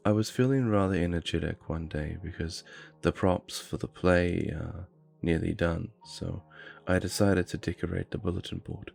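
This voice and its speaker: A man narrating a scripted horror story in a measured, low-key way. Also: fairly even intonation, vocal fry, darkish tone, soft background music.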